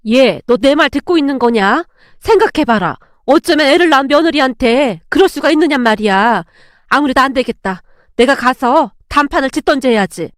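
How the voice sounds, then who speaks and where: A woman's voice: sits high, lively intonation, normal speed, no room sound, studio quality. A woman voicing an angry, hypocritical older mother-in-law who scolds shrilly. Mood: scheming.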